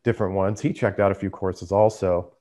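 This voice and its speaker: Low-voiced man chatting casually. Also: steady tone, a little fast, mellow. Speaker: trader and YouTube channel host. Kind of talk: casual conversational storytelling.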